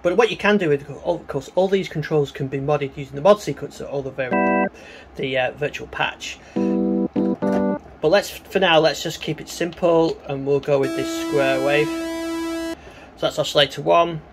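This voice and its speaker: A man giving a casual, hands-on synthesizer demonstration, talking in a halting way as he works. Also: a little high, over loud music. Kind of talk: casual hands-on gear demo commentary. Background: synthesizer tones.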